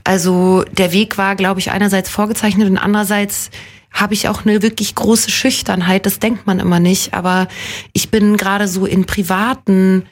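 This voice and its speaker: A woman's voice: medium pitch, little pitch movement, normal speed. A woman in her forties from Munich, an actress chatting as a radio guest, reflective and self-deprecating, wandering through her thoughts with plenty of fillers. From Munich, Germany. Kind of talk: casual conversational interview.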